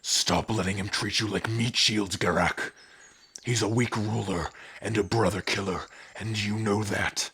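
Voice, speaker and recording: A man voicing a gruff, protective orc warrior with a raspy voice in an ASMR roleplay. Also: on the low side, steady tone, a little slow, a bit bright, no echo, full character voice. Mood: menacing, defiant. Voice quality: raspy, husky. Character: gruff, protective young male orc warrior, devoted to spouse.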